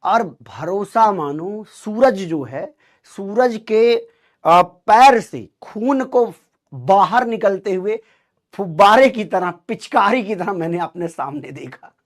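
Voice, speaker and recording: A man with a high voice tells an animated story to his class. He acts out the dialogue with lively drama. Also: takes it slowly. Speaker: teacher telling a story to students.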